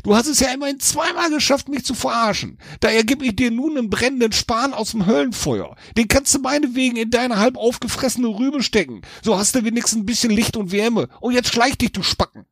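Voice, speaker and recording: A man's voice: very high-pitched, a little fast, few pauses, fairly bright tone, husky, dry recording, pitched above the performer's own voice, full character voice. A man voicing a cheeky, mocking male devil who talks in streetwise slang, recorded dry in a studio. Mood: gruff.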